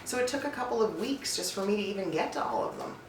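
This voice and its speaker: A woman's voice: mid-range voice, lively intonation, fast talker. A woman hosting an advice vlog as a voice-over coach, talking to listeners in a chatty, emphatic, informal way. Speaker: host, voice-over coach and casting director. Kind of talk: scripted-feeling advice vlog to camera. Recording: roomy echo, distant mic, faint noise.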